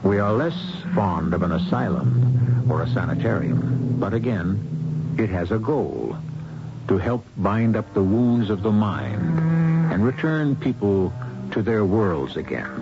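A man hosting a radio mystery drama with theatrical, ominous, deliberate narration. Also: on the low side, lively intonation, over music. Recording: dull old radio broadcast.

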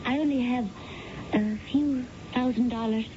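An actress as a proud widow of modest means, with a fairly high voice and a precise, pointed delivery. It is radio drama, dulled and noisy like an old broadcast. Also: female voice, steady tone, a little slow, dull audio, natural voice.

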